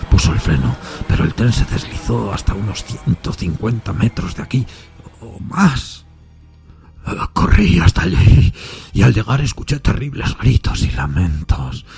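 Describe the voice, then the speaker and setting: A very deep, gravelly haunted signalman. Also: very animated, darkish tone, soft background music, heavily acted. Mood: agitated, distressed. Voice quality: gravelly, husky. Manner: grave, troubled, deliberate storytelling. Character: haunted, anguished railway signalman recounting ghostly apparitions. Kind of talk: dramatised Spanish-language audio fiction.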